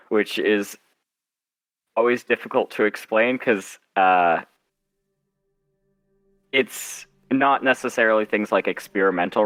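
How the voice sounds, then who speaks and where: Hesitant, low-voiced man in casual interview. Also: a bit bright, dry recording. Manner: hesitant, halting, self-deprecating. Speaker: guest author and zine editor.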